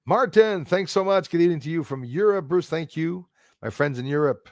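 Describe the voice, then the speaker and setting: A man in his forties with a Canadian accent, hosting a casual livestream in a rambling, halting way as he responds to viewers. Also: fairly high pitch, animated, dry recording, clean studio sound. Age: 40s. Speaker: livestream host. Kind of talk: casual live chat, reacting to viewer comments.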